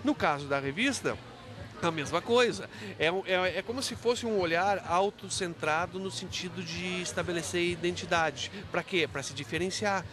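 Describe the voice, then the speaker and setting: With a crowd in the background, a professor from a university talks about his book in a spontaneous interview, at normal speed and in a voice that sits high. He lectures as he explains, raising rhetorical questions and making frequent self-checks.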